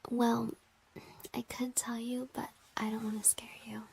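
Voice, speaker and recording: A woman playing a playful, flirty crush in an intimate ASMR roleplay, speaking in a soft, breathy whisper with a teasing, hesitant manner. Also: fairly high pitch, flat delivery, measured pace, exaggerated voice. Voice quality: breathy, mostly unvoiced whisper.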